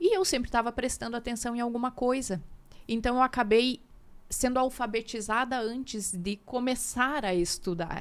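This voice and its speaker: At a moderate pace, a woman speaks with a high pitch and ordinary pitch variation in a very clean recording with a silent background. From southern Brazil, rural Paraná (São João). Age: 30s. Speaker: physiotherapist and acupuncturist. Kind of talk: podcast interview.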